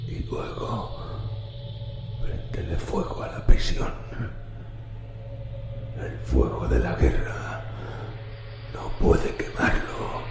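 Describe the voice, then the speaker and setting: A man playing a dying, mad old grandfather in a horror radio drama, sinister and halting, with a gravelly, gasping croak. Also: very deep voice, very animated, background noise, full character voice. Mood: dying urgency. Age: older. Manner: halting, gasping deathbed speech. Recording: roomy echo with background music.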